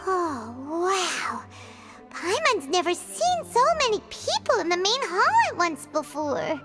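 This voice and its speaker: Squeaky tiny fairy sidekick, excitable, lively swoops, loud game music behind. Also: female voice, takes it slowly, exaggerated voice. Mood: excited. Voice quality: squeaky high-pitched voice. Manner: excitable, refers to herself in third person. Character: tiny floating fairy companion, chirpy and excitable. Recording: game audio over music.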